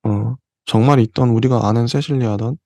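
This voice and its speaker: A man hosting a literature channel, reading passages from a novel aloud and explaining them in between with soft fillers. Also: mid-range voice, fairly even intonation, creaky, no room sound. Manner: reads passages slowly, then comments with soft fillers.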